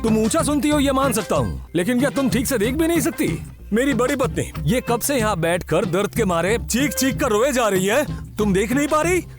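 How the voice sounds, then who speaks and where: An actor dubbing an exasperated village husband of two wives who keeps shouting and scolding. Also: male voice, extremely high pitch, very animated, a little fast. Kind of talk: Hindi dub of a comedic drama. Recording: music under the dialogue.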